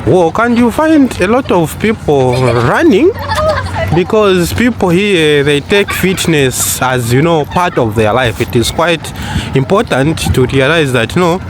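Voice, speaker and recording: A man giving a casual walking tour to his viewers while recording outdoors on a phone. He rambles and fills his pauses with "you know" and "um". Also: a little high. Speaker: travel vlogger. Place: outdoors on a city street. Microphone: phone mic. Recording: loud street and traffic noise. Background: traffic and wind.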